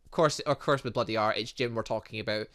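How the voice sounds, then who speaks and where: A man doing lively let's-play commentary as a gaming video host, exclaiming and talking to the game's characters. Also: on the low side, fast talker. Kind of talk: lively let's-play commentary, reading game dialogue aloud.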